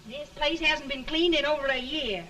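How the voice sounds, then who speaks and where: A haughty, sharp-tongued wife scolds in a high, bright voice. The sound is that of an early talkie film, picked up from some distance with a faint hiss beneath it. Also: female voice, moderate pace. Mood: scolding. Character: sharp-tongued, bossy middle-aged wife. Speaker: actor in a 1930 film.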